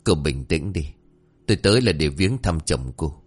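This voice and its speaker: Cold old moneylender guy, low sneery threats, deep voice, man doing it. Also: big pitch swings, brisk, full character voice. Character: cold, menacing rich old male moneylender.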